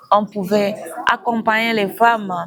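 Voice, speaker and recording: Here a woman speaks with a fairly high pitch. Her intonation stays fairly even. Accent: Chadian. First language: Mundang (speaking French). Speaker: author. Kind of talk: book presentation interview. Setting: book fair event.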